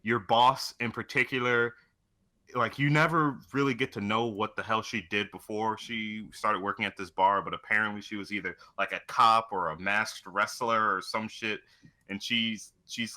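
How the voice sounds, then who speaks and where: A low-pitched man with a very bright, forceful voice, chatting loosely as a podcast co-host. He rambles through casual game talk and swears heavily. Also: steady tone, normal speed. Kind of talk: casual chat about video games.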